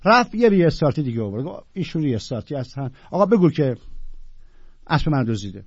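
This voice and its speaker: A man explains Sufi poetry in a casual, conversational way, reciting lines with mounting force before unpacking them. His voice is husky and a little breathy. The recording is dull and lo-fi with a dry, close sound. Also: fairly high pitch, sing-song, no echo. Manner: recites verses with rising emphasis, then explains in loose colloquial talk. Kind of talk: casual spoken commentary on classical poetry.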